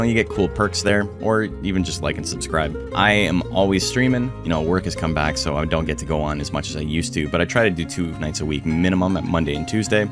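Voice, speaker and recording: A man narrating a scripted video essay in a blunt, casual way that includes free swearing, his voice hoarse, cracking and frying. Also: low-pitched. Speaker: host of a game strategy channel.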